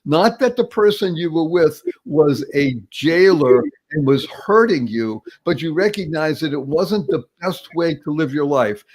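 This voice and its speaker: A man's voice: on the high side, expressive, measured pace, few pauses, a little mellow. A man hosting an online talk show in a showy, upbeat style, stringing together alliterative praise.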